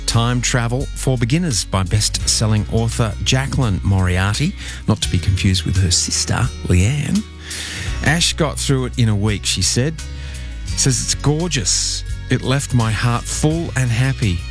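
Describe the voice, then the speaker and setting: A man's voice: medium pitch, expressive, a little slow. A man with an Australian accent presenting a music radio link. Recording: music bed behind voice. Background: guitar music.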